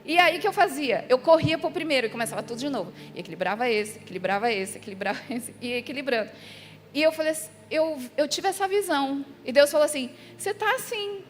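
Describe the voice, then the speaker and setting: A Brazilian woman pastor preaching a sermon and telling a personal story, animated and acting out the scenes and dialogue as she goes. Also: high voice, fast talker, a little hiss or hum. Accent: Brazilian Portuguese. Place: large church hall. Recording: music under a long hall reverb.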